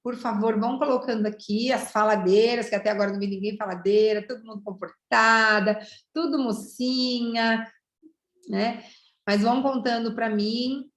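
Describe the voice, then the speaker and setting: A woman's voice: on the high side, normal speed. Chatty woman teaching over an echoey call. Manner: warm, lively and chatty, with many "né?" asides. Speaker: teacher trainer. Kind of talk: online teacher training lesson. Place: video call.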